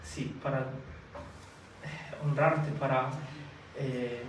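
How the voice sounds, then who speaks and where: Preacher in a big echoey hall. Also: male voice, medium pitch, fairly even intonation, recorded from a distance, a little hiss or hum. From Italy. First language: Italian or Filipino language. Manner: halting, many fillers and restarts. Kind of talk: sermon and prayer. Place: church hall.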